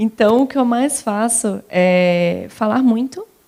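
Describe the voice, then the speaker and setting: Fairly high female voice with a dark, mellow tone and fairly even intonation. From Minas Gerais, Belo Horizonte. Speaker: customer success professional, lecture speaker. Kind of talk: audience Q&A answer.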